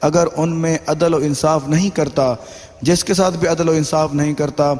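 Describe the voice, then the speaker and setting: A man's fairly high voice keeps a fairly even intonation, with noticeable background noise behind it. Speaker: Islamic scholar giving a religious sermon. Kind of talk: religious lecture / sermon.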